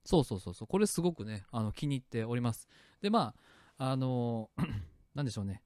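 A man hosting his own show, chatting in a relaxed way about the sound effects he made. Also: medium pitch, brisk. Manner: relaxed and chatty, many fillers, starts and stops clips. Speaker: podcast host. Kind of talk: casual solo talk explaining his sound effects. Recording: faint music clips playing behind.

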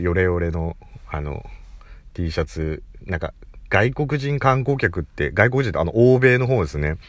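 A man's voice: low voice, no echo. A man hosting his own casual talk podcast, telling a meandering story full of fillers and restarts. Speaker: podcast host. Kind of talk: casual solo chat.

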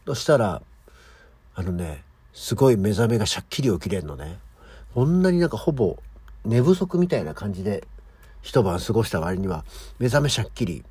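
A middle-aged man hosting his own morning show, chatting casually and with high energy as he tells a story alone. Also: very animated, brisk, dark tone, husky, dry recording. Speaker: podcast host. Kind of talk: casual solo morning talk.

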